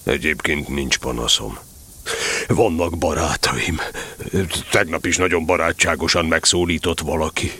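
An actor playing a gloomy, self-pitying old donkey in a radio play, muttering morosely and sarcastically in a gravelly, husky voice. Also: male voice, very deep voice, pushed and bright, no echo, full character voice. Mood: resigned, self-pitying.

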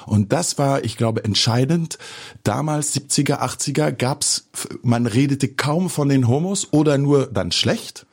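A French-speaking filmmaker from Geneva, Switzerland, a man in his 40s, reflects aloud in a personal interview with many hesitations. His husky mid-range voice is expressive and unhurried.

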